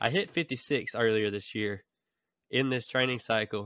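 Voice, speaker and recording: On a very clean recording with a silent background, a man with an American accent speaks at medium pitch in a bright, sharp tone, with fairly even intonation at a moderate pace. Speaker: podcast co-host. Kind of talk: casual chat.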